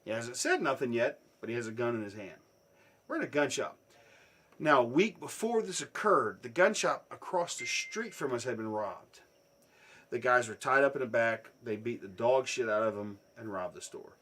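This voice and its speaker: A man telling a swear-filled story in a casual chat, dropping low and then bursting into loud shouts. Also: moderate pace. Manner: profane, animated, swings from hushed to shouting.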